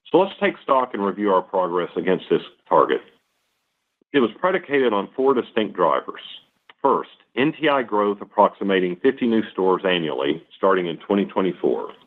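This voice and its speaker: Over a narrow, phone-like connection, a middle-aged man speaks in a low-pitched voice. He sounds like a company executive reading prepared remarks, setting out each point formally and methodically. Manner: formal, measured, enumerating points. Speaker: company executive on earnings call. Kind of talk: scripted corporate presentation. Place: conference call line.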